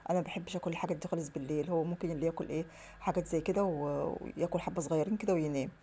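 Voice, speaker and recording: A woman's voice: low voice, steady tone, racing, warm tone, slight background noise. A woman with an Egyptian Arabic accent, telling stories in a casual home vlog and rambling on as she acts out the dialogue. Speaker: home vlogger.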